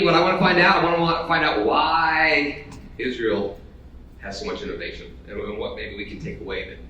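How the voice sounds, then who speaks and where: A man moderating a live conference panel, upbeat and energetic. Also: mid-range voice, a little hiss or hum. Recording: echoey hall, distant mic.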